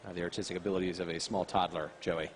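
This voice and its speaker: A young man casting an esports tournament, bantering in a deadpan, self-mocking way. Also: low-pitched, very fast. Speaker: esports caster. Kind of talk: joking esports commentary.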